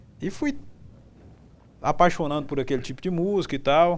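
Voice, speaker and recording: With ordinary pitch variation, a man keeps a moderate pace. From Brazil, Goiás. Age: 30s. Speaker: opera tenor. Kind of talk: interview.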